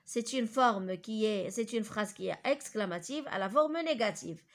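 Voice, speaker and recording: A woman teacher giving a grammar lesson to pupils, hesitant with many fillers and restarts, slowly repeating key terms. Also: mid-range voice.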